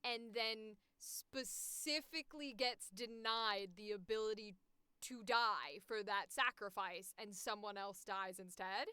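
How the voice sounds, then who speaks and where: A woman talks casually on a livestream with a bright, smooth and clear voice. Her manner is animated and informal, reacting eagerly. The sound is dry, with no room to it. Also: mid-range voice, takes it slowly, no room sound. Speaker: voice actor hosting a livestream.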